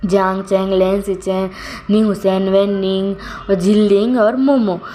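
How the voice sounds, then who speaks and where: A woman tells a story in a loose, chatty way, often stopping to correct names and restart her sentences. Her voice is mellow and warm. It sits at an ordinary middle pitch. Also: flat delivery, a little slow, a little hiss or hum. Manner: rambling, often corrects herself mid-sentence. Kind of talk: casual fan-fiction retelling.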